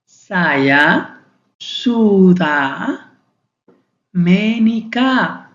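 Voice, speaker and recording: Woman, 30s, beginner-lesson teacher, lowish voice, echoey lo-fi room sound. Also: animated. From Mexico. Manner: slow, deliberate drilling with many repetitions. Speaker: foreign student teaching a beginner class. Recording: roomy, dull lo-fi sound.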